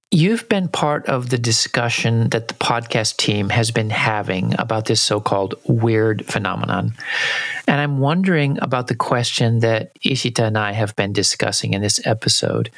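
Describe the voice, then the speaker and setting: A man who hosts a podcast and leads the discussion with explanations. His voice sits in a middle pitch, and the recording is dry, with no room sound. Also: a bit bright, no room sound. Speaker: podcast host. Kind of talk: podcast conversation.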